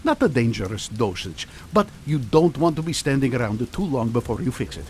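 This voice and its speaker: An actor playing a genial, unflappable older scientist in a comic radio drama, with breezy, politely teasing manners. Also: male voice, mid-range voice, very animated, fairly quick, a little mellow, a little hiss or hum, natural voice. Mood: helpful, unflappable.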